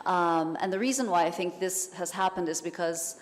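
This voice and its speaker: A woman whose first language is Persian, a writer speaking as a panel guest in a thoughtful, measured way. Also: lowish voice. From Iran. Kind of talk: festival panel talk. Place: hall at a literature festival. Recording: hall reverb, faint noise.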